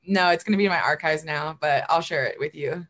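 A woman's voice: low voice, fast. Laughing, chatty podcast host woman. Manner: animated, laughing easily, swears casually. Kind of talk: casual interview chat.

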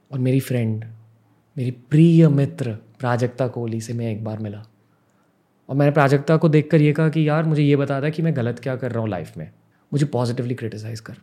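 A man's voice: medium pitch, warm tone. Earnest young man telling his story. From Mumbai, India. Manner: earnest, reflective, mixing English words into Hindi. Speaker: podcast host. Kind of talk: personal storytelling monologue.

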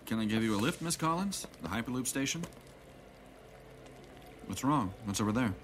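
A man's voice: medium pitch, lively intonation, moderate pace, lightly acted. A man playing a jaded, guarded middle-aged man in an audio drama, with wry, reflective delivery. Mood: casual, courteous. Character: jaded, guarded older man, bitter about his family. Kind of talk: naturalistic audio drama acting. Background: background music.

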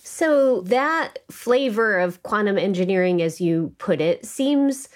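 A woman's voice: mid-range voice, expressive, takes it slowly. A woman hosting an interview, reading welcoming scripted questions. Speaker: host.

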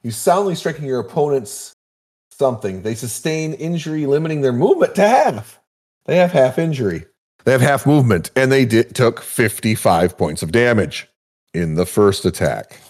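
Middle-aged male player, lively pitch swings, joking, casual. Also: normal speed. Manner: animated, joking, reads out rules. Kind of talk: casual tabletop game chat.

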